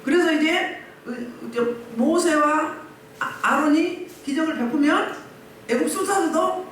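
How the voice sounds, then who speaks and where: A woman's voice: high-pitched, takes it slowly. Woman, pastor, preaching, rhetorical questions, heard from a distance, faint background noise. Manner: emphatic, fires rhetorical questions at the congregation. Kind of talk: sermon at a healing service. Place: church hall. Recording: very echoey hall, mic at a distance.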